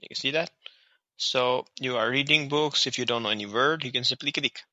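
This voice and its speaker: A man with a South Asian accent walks through an app in an informal tutorial style. His voice is middle-pitched and strikingly bright and sharp, recorded dry and close. He instructs step by step, repeating himself and checking in. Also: a little fast, no room sound, highs cut off. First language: Hindi or Urdu. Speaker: app reviewer and tutorial host.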